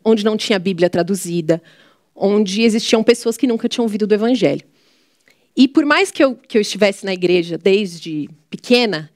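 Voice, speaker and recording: A woman gives her testimony as a missionary guest in an interview, in a mid-pitched voice. She speaks earnestly and keeps adding little "né" tags. The recording is dry and close-miked. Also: dry recording. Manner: earnest storytelling with frequent "né".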